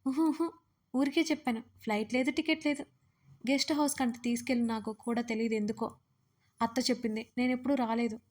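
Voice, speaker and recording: A pouty young wife coaxes and pleads with her husband in a romance audio story, as a woman narrator voices her. The voice is a bit high and fairly flat in its range. She sounds coaxing and sulky. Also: quick pace, close to an everyday voice. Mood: pleading.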